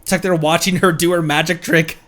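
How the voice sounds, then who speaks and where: An American man chatting casually on a game livestream in a rambling, halting way. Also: a little high, fairly even intonation, a bit bright. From American Midwest and Tornado Alley region. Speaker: game streamer. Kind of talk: casual livestream chat over gameplay. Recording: game music behind the voice. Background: video game music.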